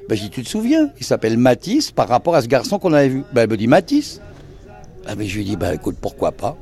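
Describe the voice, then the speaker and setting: Creaky-voiced older man telling anecdotes. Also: lowish voice, racing. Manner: animated, acts out quoted dialogue, many hesitations. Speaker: bar owner. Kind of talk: casual anecdotal storytelling. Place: his own bar lounge, indoors.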